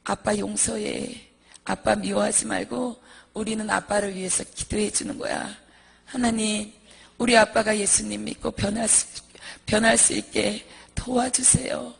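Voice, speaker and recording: A man with a gravelly, husky voice speaking as a gentle, beaten young mother comforting her children. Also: high-pitched, level tone, measured pace, full character voice. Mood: tender consoling. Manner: soft, pleading and tender.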